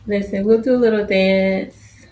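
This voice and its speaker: A woman voicing a signed introduction and interview as interpreter, speaking slowly in measured phrases. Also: medium pitch, steady tone, dark tone. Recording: echoey room with faint ambience.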